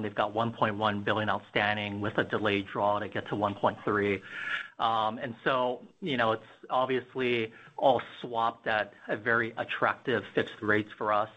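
A man's voice: mid-range voice, a bit bright. A man speaking as a company finance executive, giving unscripted answers to analysts on an earnings call. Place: conference call. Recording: dull, band-limited conference call audio.

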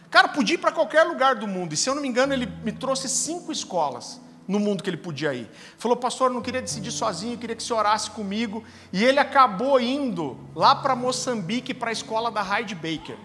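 A man's voice: very high-pitched, a bit bright. A man, a pastor telling a story in a sermon and acting out the dialogue with animation. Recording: long hall reverb with faint music.

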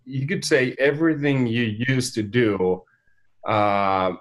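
Finnish-accented man, halting. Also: mid-range voice. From Finland. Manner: halting, many fillers and restarts. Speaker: company founder, guest. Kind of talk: casual interview talk.

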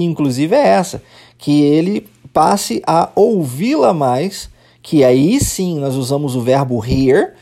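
A man's voice: a little high, creaky, mellow. A man with a Brazilian Portuguese accent, teaching English on a lesson podcast, explaining patiently and drilling phrases aloud.

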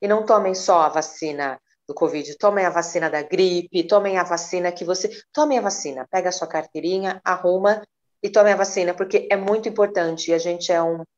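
A woman's voice: on the low side, steady tone, fairly quick, highs cut off. A woman co-hosting a casual podcast, talking earnestly and urging listeners directly. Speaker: podcast co-host. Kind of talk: casual chat.

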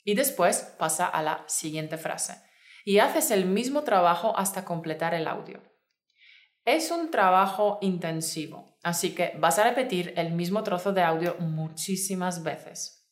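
A woman, giving clear step-by-step instructions in a scripted podcast lesson. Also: fairly low pitch. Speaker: Spanish teacher. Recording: roomy echo.

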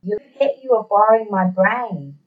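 A woman's voice: mid-range voice, lively intonation, moderate pace, distant mic, phone-quality sound, lightly acted. A woman voicing a laid-back Aboriginal Australian man who talks in a blunt, kindly, matey way for an audio story. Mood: teasing, sure.

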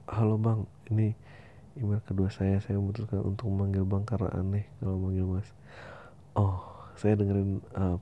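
A man hosting a podcast, reading listener emails aloud with informal, slangy asides and casual swearing. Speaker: podcast host. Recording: dull lo-fi audio with faint rumbling noise.

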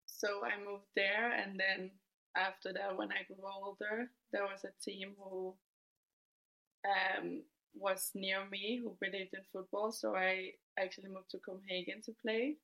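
A woman in her twenties from Denmark, telling her story as a guest in a podcast interview, relaxed and thoughtful. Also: mid-range voice, unhurried, creaky. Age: 20s. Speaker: guest footballer.

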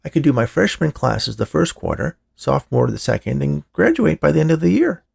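A man's voice: on the high side, sing-song, fairly quick, vocal fry, a little mellow, slightly rough, pitched above the performer's own voice, exaggerated voice. A man voicing an eager, earnest adolescent boy in an audiobook, with a pleading manner. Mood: eager, persuasive. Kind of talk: audiobook character dialogue.

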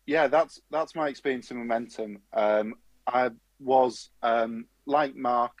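A man's voice: medium pitch, fairly even intonation, slow, no echo. A man with a Durham accent talking conversationally as a guest activist on a panel. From Durham, North East England.

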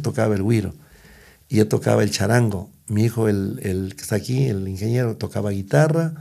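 A middle-aged man appears as a guest musician in an interview, recounting stories in a gravelly, mellow mid-range voice. He rambles and frequently starts over.

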